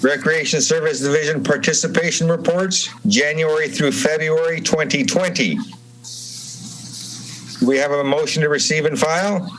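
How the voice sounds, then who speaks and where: A man with a slightly high voice chairs a formal meeting. He moves through procedure deliberately, with halting pauses. There is faint noise on the meeting-call recording. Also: fairly even intonation, fairly bright tone, low-quality recording. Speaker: commission chairman. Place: remote meeting over Zoom.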